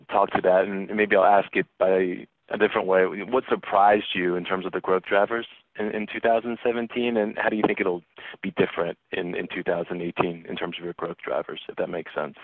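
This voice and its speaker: A man's voice: sits low, no echo. A man, a financial analyst, asking a question in a hesitant, rephrasing way on an earnings call by phone. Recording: dry, tinny phone line.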